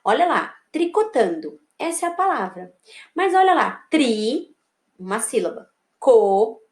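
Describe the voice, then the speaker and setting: A woman with a Brazilian accent, a primary school teacher walking young pupils through a workbook in a slow, sing-song voice that keeps checking they follow. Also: high-pitched, big pitch swings. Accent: Brazilian Portuguese. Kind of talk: recorded remote lesson walking through a workbook. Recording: echoey room.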